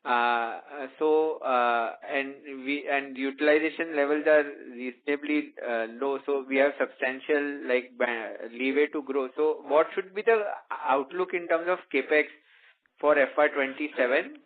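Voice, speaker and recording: A financial analyst, a man with a mid-pitched voice, speaks over a tinny phone connection. He puts questions on an earnings call in a polite, somewhat hesitant way. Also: unhurried. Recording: tinny narrowband phone line.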